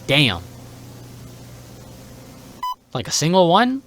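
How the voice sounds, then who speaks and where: A man's voice: a little high, huge pitch swings, moderate pace, a bit bright. A man giving casual, slangy reaction commentary as a video host, sounding incredulous and partly reading text aloud. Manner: slangy, incredulous, often addressing viewer as bro.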